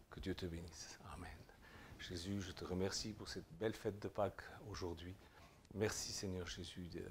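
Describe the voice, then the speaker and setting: Speaking in a low voice with a Swiss French accent, this pastor urges his listeners on directly and informally during a sermon. He shifts from loud declarations to quiet asides, and slight background noise is audible.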